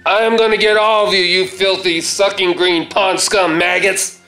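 A middle-aged man on stage playing a gruff, take-charge survivor of a zombie attack in a radio play, with folksy phrasing. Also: high-pitched, flat delivery, moderate pace, low-quality recording. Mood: alarmed, angry. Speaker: stage actor reading a script. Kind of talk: live radio-play acting. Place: theater stage. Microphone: stand microphone. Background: loud music.

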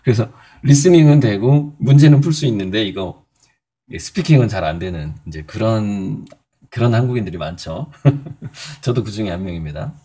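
A middle-aged male painter talking casually in a morning vlog, rambling a little with fillers and soft chuckles. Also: fairly low pitch, expressive, moderate pace, breathy edge. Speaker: painter and channel host.

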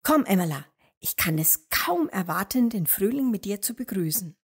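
A woman voicing an excitable, cheerful young male hare in a storybook tale, exclaiming with enthusiasm. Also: medium pitch, normal speed, husky. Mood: excited.

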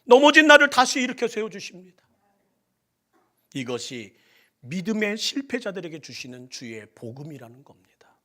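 A man preaching a sermon in church, dropping to soft whispers and rising to loud, shouted lines. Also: sits high, big pitch swings, moderate pace, pauses often. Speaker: pastor. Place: church sanctuary.

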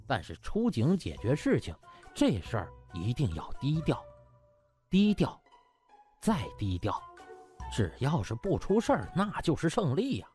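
Guy reading a funny audiobook, super lively swings in pitch, music behind him. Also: unhurried. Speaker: audiobook narrator. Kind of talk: animated comic storytelling. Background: background music.

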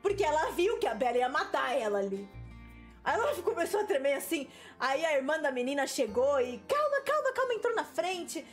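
High, lively Brazilian woman storyteller. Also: a little fast, faint music behind. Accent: Brazilian Portuguese. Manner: animated, laughing storyteller who acts out quotes. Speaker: gaming video host. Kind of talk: casual storytelling while playing a game.

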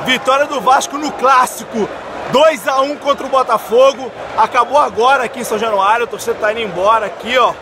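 A young Brazilian man, drunk, giving a loud, boastful, profane post-match rant as a football fan vlogger. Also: very high voice, fairly quick. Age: young adult. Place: outdoor football stadium stands. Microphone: phone at arm's length. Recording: noisy stadium crowd recording. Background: crowd and stadium noise.

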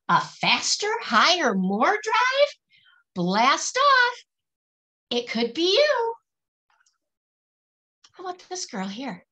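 A woman's voice: sits high, sharp tone. A middle-aged woman reading a picture book aloud to children in a singsong, teacherly way, stressing the rhymes and asking questions.

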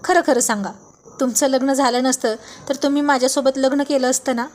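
A woman's voice: high-pitched, fairly even intonation, fairly quick, darkish tone, a little hiss or hum, close to an everyday voice. A woman voicing a shy, eager young man who pleads with his sister-in-law in a spoken story. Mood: teasing bashful.

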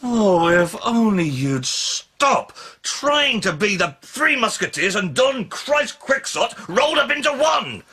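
An actor playing a worried, scolding soldier friend in a radio drama, gruff and raspy, remonstrating emphatically. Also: male voice, high-pitched, very animated, slow pace, sharp tone, heavily acted. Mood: exasperated. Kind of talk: theatrical radio drama acting.

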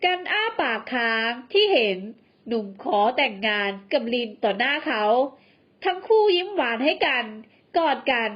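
High-voiced woman telling a story. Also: sing-song, moderate pace, a bit bright, dull audio. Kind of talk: storytelling narration.

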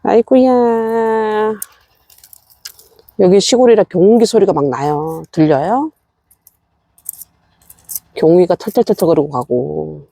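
A woman's voice: deep voice, lively intonation, normal speed, gravelly, long pauses, mellow, husky, no room sound. A middle-aged woman in a casual vlog, chatting to her succulents and scolding herself as she tends them at her rural home. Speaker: succulent-growing vlogger. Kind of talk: casual chat while tending plants.

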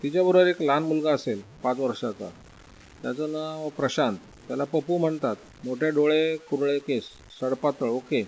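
A man voicing a stern middle-aged male police inspector who gives brisk orders over the phone. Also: on the high side, a little mellow, low-quality recording.

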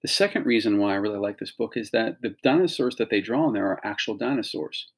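With a quick pace, lively intonation and a breathy edge to his fairly low voice, a middle-aged man reads a picture book aloud to children. He's a teacher, explaining and pointing out details in simple phrases for this instructional read-along.

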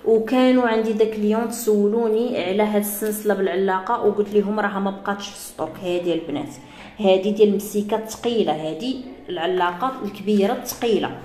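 A woman with a Moroccan Arabic accent, chatting through a live sales pitch for jewelry to her female viewers. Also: fast talker, darkish tone, roomy sound. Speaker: jewelry seller.

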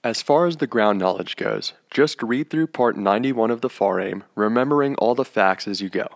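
Low-voiced man narrating a lesson. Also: normal speed, gravelly, dry recording. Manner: dry, matter-of-fact with offhand jokes. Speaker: flight instructor. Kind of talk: scripted narration over slides.

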